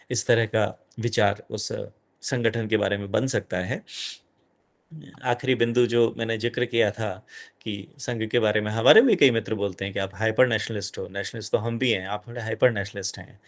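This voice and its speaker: A middle-aged man giving an animated lecture to an audience as a guest speaker, dropping in English phrases. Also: mid-range voice.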